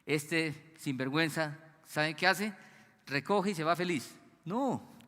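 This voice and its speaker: A man's voice: fairly high pitch, takes it slowly, pushed and bright, big-room sound. A man preaching a sermon as pastor, asking the congregation to call out the missing words. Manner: asks the congregation to fill in words. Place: church hall.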